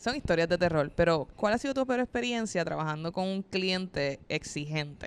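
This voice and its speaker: A woman with a Puerto Rican accent talks at a moderate pace in a fairly low pitch, her intonation lively, in a very clean recording with a silent background. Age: 20s. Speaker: podcast host. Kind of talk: interview.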